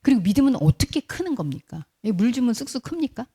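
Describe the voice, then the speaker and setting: Woman pastor, sermon; animated, husky, quizzes the congregation. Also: fairly high pitch, quick pace. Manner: animated storytelling, acts out quotes; asks the congregation questions.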